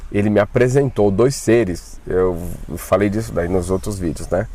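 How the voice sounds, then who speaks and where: Animated man telling a spooky story. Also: lowish voice, normal speed. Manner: colloquial and animated, with swearing and nervous laughs. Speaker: channel host telling his own spiritual experiences. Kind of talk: casual first-person storytelling.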